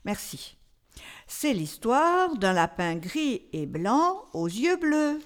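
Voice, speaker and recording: Flustered but patient storyteller played by a woman, slow and very animated, coaxing a child in a comic radio sketch. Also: a little high. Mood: mildly exasperated.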